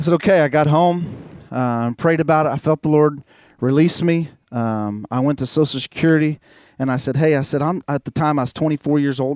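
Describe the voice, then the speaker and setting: This man has a plain, everyday voice, fairly high in pitch, with fairly even intonation. He talks at a fairly quick pace in a dry, close sound with no echo. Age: 40s. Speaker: pastor. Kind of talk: sermon.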